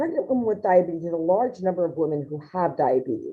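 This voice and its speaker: A woman with an American accent, medium pitch, ordinary pitch variation and a very fast pace. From New York. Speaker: physician researcher. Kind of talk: conference presentation.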